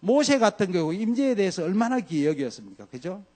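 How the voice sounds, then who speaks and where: A male pastor delivers a sermon with a lively, wide-ranging voice that sits fairly high. He climbs to loud peaks and drops to hushed lows, acting out scripture quotes along the way. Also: fast talker. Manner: animated preaching, voice swings from loud highs to quiet lows.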